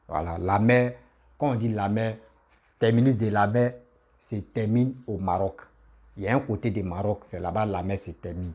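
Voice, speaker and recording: A man's voice: on the low side, a little mellow, slightly rough. A man who has a cold, giving a casual, insistent political rant that scolds his listeners. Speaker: political commentator.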